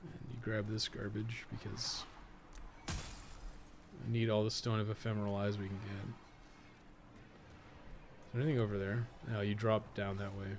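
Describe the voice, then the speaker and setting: A man's voice: fairly low pitch, flat delivery, moderate pace, long pauses, slight background noise. A man doing casual livestream commentary on a video game, rambling and muttering his thoughts aloud as he plays. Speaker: host of a game guide livestream.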